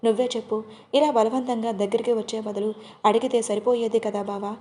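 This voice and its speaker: A woman's voice: fairly high pitch, little pitch movement, fairly quick, dark tone, natural voice. Woman reading a pleading, hurt young bride. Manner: pleading, earnest.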